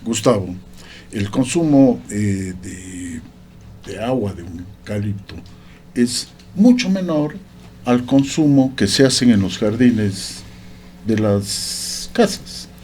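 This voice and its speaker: A man's voice: on the low side, animated, slow pace, a little mellow, slight background noise. A man explaining points as a radio interview guest, hesitant with many fillers. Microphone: studio microphone.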